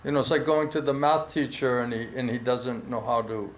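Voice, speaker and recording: A man's voice: mid-range voice, normal speed. A man giving a casual spiritual lecture, telling stories and acting out the voices of people he quotes. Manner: conversational, acts out quoted voices. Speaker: spiritual teacher. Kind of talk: lecture on scripture, casual storytelling. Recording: echoey room, faint ambience.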